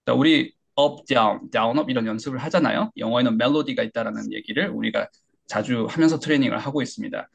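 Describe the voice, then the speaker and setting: A man teaching pronunciation in an online class. His voice is husky and gravelly and sits at a middling pitch. He explains each point step by step, with many hesitations, and models words with exaggerated rises. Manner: frequent hesitation fillers. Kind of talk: online lecture.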